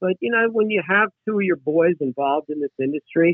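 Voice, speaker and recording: Pitch rises and falls in an ordinary way. The pace is moderate. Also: man. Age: 60s. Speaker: company founder and authenticator. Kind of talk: interview. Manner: halting, many repetitions.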